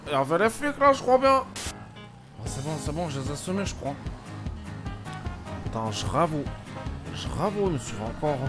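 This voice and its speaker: A man streaming a roleplay game, playing a rough-talking gypsy job seeker who swears and mutters to himself. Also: a little high, normal speed, pauses often, over music. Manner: excitable, swearing, mumbling asides to himself. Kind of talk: GTA roleplay commentary in character.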